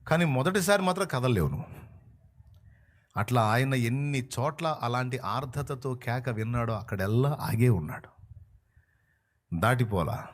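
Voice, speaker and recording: Fervent storytelling preacher man. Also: mid-range voice. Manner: fervent storytelling preaching, swinging between hushed and loud. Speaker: pastor. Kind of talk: sermon.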